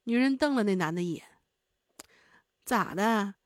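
A woman's voice: medium pitch, animated, fast, darkish tone, no echo, clean studio sound. A woman narrating a spoken story, in a vivid and dramatic way.

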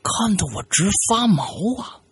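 A man's voice: sits high, lively intonation, normal speed, slightly rough. A man hosting a show, casually retelling a listener's ghost story with chatty asides and fillers. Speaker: host reading a listener's story.

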